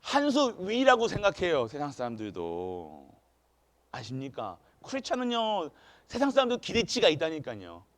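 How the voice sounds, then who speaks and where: A man preaching an early-morning church sermon, throwing rhetorical questions to the congregation and swinging between loud emphasis and hushed asides. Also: a little high, wildly swooping pitch, moderate pace. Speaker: pastor. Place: church sanctuary.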